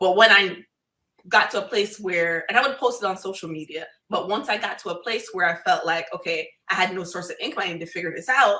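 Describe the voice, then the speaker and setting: A woman's bright, sharp voice at medium pitch, very fast in pace with ordinary pitch variation. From Jamaica, Kingston. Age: young. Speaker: artist and designer. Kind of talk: interview conversation.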